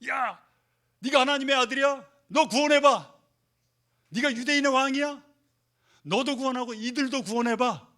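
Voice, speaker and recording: A scornful male mocker from a crowd, as a preacher puts him on, shouting taunts high and loud. The voice is forceful and sharp-edged, full of contempt. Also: moderate pace, pauses often, exaggerated voice. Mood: mocking.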